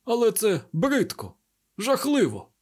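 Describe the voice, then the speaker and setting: Man doing a shrill frantic old baron. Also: wildly swooping pitch, unhurried, slightly rough, exaggerated voice. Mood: pleading. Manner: shrill, wailing, desperate. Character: frantic wealthy old male baron collector.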